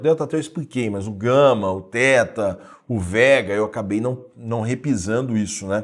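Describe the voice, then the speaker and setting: This recording is very clean and the background is silent. Pitch moves up and down in an ordinary way. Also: man. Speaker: finance course instructor. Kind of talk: recorded lecture. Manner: fast.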